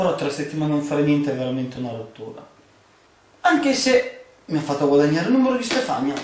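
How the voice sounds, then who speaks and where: Amid audible room echo and light background noise, a man speaks at a very fast pace. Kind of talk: casual conversational dialogue. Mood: bored, mildly wry. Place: home room.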